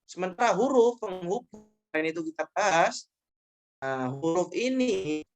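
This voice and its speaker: A man's voice: sits high, animated, measured pace. A man teaching grammar in an online class, explaining patiently and repeating each point with short checking tags.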